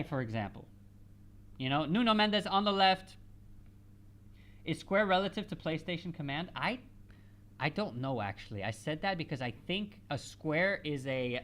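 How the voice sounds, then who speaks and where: A host whose first language is Spanish, chatting casually through a live football match, answering viewers in a rambling, halting way full of restarts and switching between English and French. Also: medium pitch, a bit bright. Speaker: host of a live football watch-along stream.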